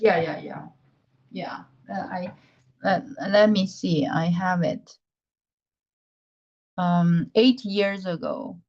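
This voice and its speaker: A woman who is a native Mandarin speaker, interpreting informally and a bit haltingly as she searches for words. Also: fairly low pitch, a little mellow, echoey room, dull audio. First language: Mandarin Chinese. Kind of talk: consecutive interpreting in informal talk.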